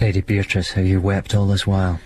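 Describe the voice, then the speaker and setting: A man playing a deep, husky courtly lover. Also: monotone, brisk, dark tone. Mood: tender. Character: witty young nobleman, earnest in love. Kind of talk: Shakespearean verse acting.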